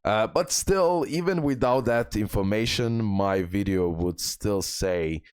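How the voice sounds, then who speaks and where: A man's voice: lowish voice, a little slow, darkish tone, clear, resonant tone, no echo, studio quality. A man hosting a video game guide, speaking in casual, enthusiastic bro slang with emphatic repetition as he comments and reads out details. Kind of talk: casual gaming commentary, reading out skill descriptions.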